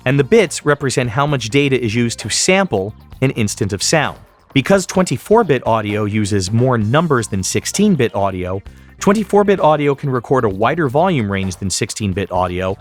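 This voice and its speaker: A man presenting a tutorial in scripted, explanatory narration, enunciating each term clearly. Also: medium pitch.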